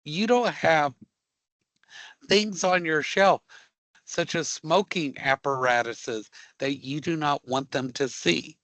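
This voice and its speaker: A man teaching a live career prep class, emphatic and joking, often checking in with a quick "okay?". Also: on the high side, fairly bright tone, no room sound.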